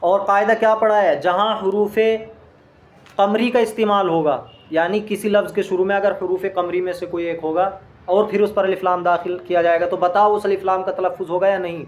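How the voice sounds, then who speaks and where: High-voiced man teaching Arabic grammar. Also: fairly even intonation, a little fast. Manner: explains step by step, quizzes the listener with questions. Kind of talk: classroom grammar lesson.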